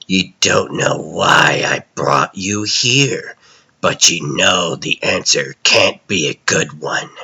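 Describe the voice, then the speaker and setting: A man voicing a sinister, menacing dark vigilante who narrates a comic dub in slow, ominous, gravelly storytelling with dramatic pauses. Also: deep voice, animated, pitched below the performer's own voice, full character voice. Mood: slow menace.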